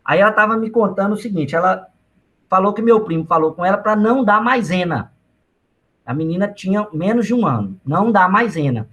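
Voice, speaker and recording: A man teaching an economics class in a relaxed, conversational way. His voice sits fairly high for a man, and he keeps turning to the students with asides and stories from his own life. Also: a little fast, lo-fi sound. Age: adult father of young children. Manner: conversational, uses personal anecdotes and frequent asides to students. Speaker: economics lecturer. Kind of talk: casual spoken lecture.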